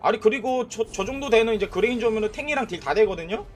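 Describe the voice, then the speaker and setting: A young man giving casual, excitable commentary over his own mobile game, trash-talking and narrating his plays. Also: high voice, fast talker, soft background music. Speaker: gaming YouTuber.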